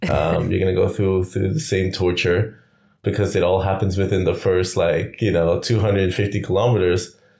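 Somewhat breathy and dark, mellow in tone, a man's fairly low voice holds a fairly even intonation. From Germany, Caribbean and Canada. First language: German. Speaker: adventurer. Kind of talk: interview. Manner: hesitant, many fillers.

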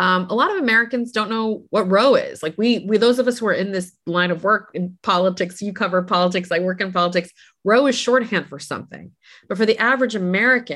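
A woman's unremarkable speaking voice at medium pitch, fairly quick, with ordinary pitch variation. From Texas, Indian immigrant family. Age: 40s. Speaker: abortion rights organization leader. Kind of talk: interview.

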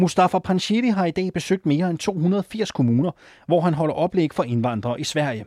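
Lively in intonation, a man talks at a very fast pace and a high pitch. The recording is very clean, with a silent background. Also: dry, close sound with no echo. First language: Danish (speaking Swedish). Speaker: radio podcast host. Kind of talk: scripted narration.

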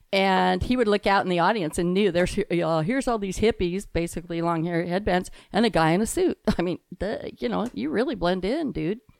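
On a very clean recording with a silent background, a woman speaks in a normal speaking voice at a fairly quick pace with ordinary pitch variation. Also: medium pitch for a woman. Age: 60s. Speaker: host's mother. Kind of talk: casual chat.

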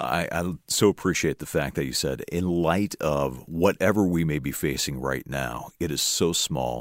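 With vocal fry, the speaker keeps a moderate pace with hardly any pauses and ordinary pitch variation on a very clean, silent recording whose close, dry sound has no echo. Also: man. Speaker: radio host. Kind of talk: radio announcing. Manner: formal.

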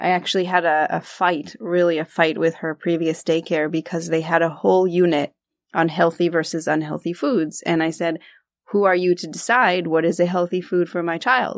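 On a very clean recording with a silent background, a woman with an ordinary speaking voice and an American accent talks at a moderate pace with fairly low pitch and fairly even intonation. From Israel and France, then US. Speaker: guest who helps schools with mindfulness practices. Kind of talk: casual interview chat.

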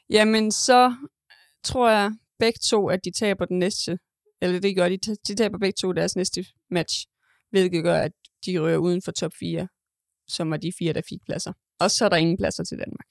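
A woman at a medium pitch, with fairly even intonation, a moderate pace and long, frequent pauses, in a very clean recording with a silent background and a dry, close sound with no echo. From Denmark, Funen. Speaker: archer, Olympic athlete. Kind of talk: interview. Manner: halting, many fillers and repetitions.

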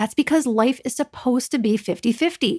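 A woman with an unremarkable speaking voice talks at a fairly quick pace with lively intonation, her sound dry and close with no echo on a very clean recording over a silent background. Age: 40s. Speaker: parenting coach and podcast host. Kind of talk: solo podcast monologue.

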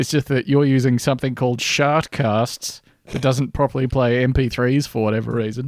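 With an Australian accent, a man talks at a fairly quick pace in a monotone, flat way. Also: medium pitch for a man. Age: 30s. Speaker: podcast co-host. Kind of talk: casual chat.

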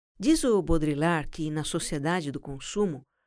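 A woman speaks in a calm tone. The recording is very clean, with a silent background. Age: 50s. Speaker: mindfulness instructor and podcast host. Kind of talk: scripted narration.

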